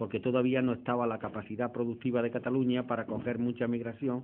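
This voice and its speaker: A man at a medium pitch and a moderate pace. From Andalusia, Spain. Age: 50s. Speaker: left-wing politician. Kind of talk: public talk. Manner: halting.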